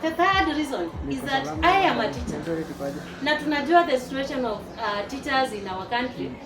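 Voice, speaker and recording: A woman in her forties from Uganda, a teacher and network marketer, giving a lively testimonial to a live audience and rallying them to clap. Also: sits high, moderate pace. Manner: lively, rallies the crowd to clap. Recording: echoey hall, far from the mic, noisy.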